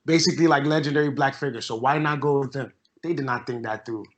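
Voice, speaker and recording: A man's voice: mid-range voice, fast, a crowd in the background. A young man co-hosting a podcast, talking in an emphatic, ranting way during a casual chat. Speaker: podcast co-host.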